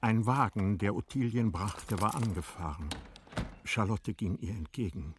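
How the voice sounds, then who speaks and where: A man narrating a literary radio play in a measured, formal storytelling manner. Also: fairly low pitch, background noise.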